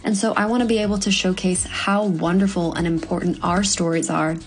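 A woman's voice: fairly low pitch, steady tone, low-quality recording. Earnest young woman actor from Hong Kong. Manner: earnest, measured, with frequent ums. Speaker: guest actor. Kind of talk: interview answers.

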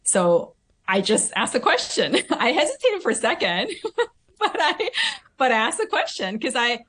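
A woman's voice: fairly high pitch, big pitch swings, measured pace, a bit bright, slight background noise. A woman from Southern California, in her thirties, answering interview questions as a coach, reflective and often adding "right?" to her points. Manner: reflective, frequent "right?" tags and fillers.

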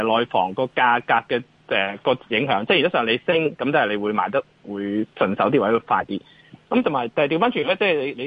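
A man's voice: medium pitch, breathy edge, dry recording, lo-fi sound. A man with a Hong Kong Cantonese accent giving off-the-cuff market commentary as an analyst, in a hesitant way that circles back over phrases.

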